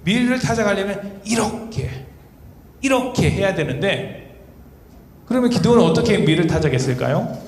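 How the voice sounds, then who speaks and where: A man's voice: high voice, lively intonation, moderate pace, long pauses. A man giving a children's sermon in a church, storytelling and asking the kids questions. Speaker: children's pastor. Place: church hall. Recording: echoey hall, faint noise.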